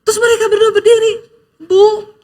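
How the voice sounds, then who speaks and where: A woman pastor giving a lively sermon, telling stories and acting out the people she quotes, with joking asides. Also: high-pitched, moderate pace.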